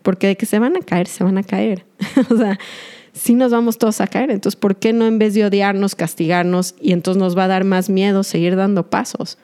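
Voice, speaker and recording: A woman's voice: medium pitch, fairly even intonation, normal speed, mellow. A woman podcast host, earnest and confessional, speaking directly to her listeners in a reflective monologue.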